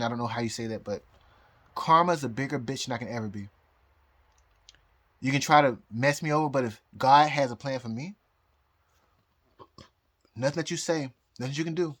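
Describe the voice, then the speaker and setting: A man in a rambling, drunk-sounding personal rant, halting and repeating his phrases, speaking emphatically and defiantly. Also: mid-range voice, a bit bright. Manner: emphatic, defiant talk of fate and God. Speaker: astrologer.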